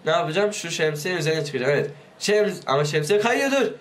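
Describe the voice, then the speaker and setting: A man giving let's play commentary, excitable, pleading with and yelling at his game character while sick, his voice liable to give out. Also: a little high, quick pace. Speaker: gaming YouTuber.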